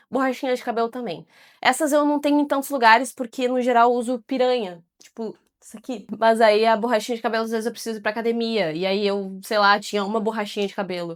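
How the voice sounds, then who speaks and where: A woman talks very fast at a fairly high pitch, with ordinary pitch variation. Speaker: lifestyle vlogger. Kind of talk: casual vlog talk to camera. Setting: home office. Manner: clear diction.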